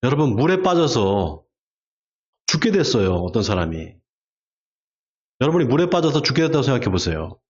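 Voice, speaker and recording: Male pastor, lively preaching voice, bursts into acted shouts, dull lo-fi church recording. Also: mid-range voice, moderate pace, long pauses. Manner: acts out shouted quotes in sudden bursts. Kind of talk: sermon. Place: church sanctuary.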